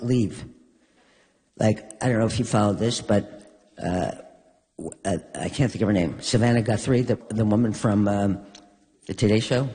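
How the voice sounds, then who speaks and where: An older woman from New York, a guest in an onstage conversation, telling stories with wry, deadpan humor. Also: a bass voice. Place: stage in a hall. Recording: long reverb of a large hall.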